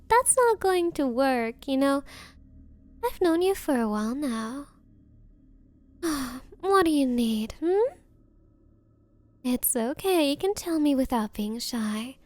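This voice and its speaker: High-pitched bratty rich yandere girlfriend acted by a woman. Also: darkish tone. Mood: coaxing, smug. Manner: condescending, teasing, faux-sweet, drawn-out valley-girl phrasing. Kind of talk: ASMR roleplay, anime-style girlfriend audio.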